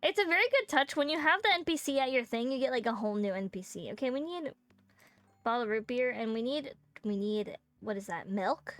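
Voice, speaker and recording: A woman's voice: on the high side, lively intonation, brisk, a bit bright, dry recording, faint music behind. A woman streaming a game in casual chat, joking and rambling with many fillers, close to a desk microphone. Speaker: VTuber streamer.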